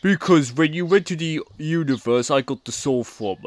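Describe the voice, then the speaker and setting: A man's voice: on the high side, moderate pace, no echo, close to an everyday voice. A man playing a remorseful male comedian stuck in a frog puppet body in a hobby audio play, speaking earnestly and plainly.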